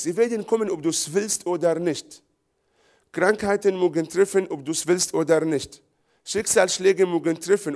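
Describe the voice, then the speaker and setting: A man's voice: high-pitched, a little mellow. A middle-aged man from Israel, preaching a sermon emphatically in repeated phrases. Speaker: pastor.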